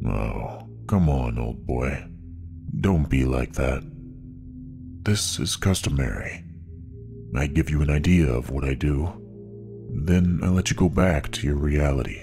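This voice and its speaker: A man's put-on character voice at a fairly slow pace, with long, frequent pauses and clear background noise. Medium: read story. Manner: coaxing, mocking, overly familiar.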